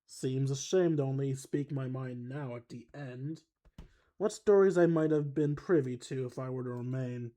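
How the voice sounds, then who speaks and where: A player voicing a formal, wistful young man giving a measured farewell speech in a game. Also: mid-range voice, mellow, pitched below the performer's own voice, lightly acted. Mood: solemn. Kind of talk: voice acting a game character.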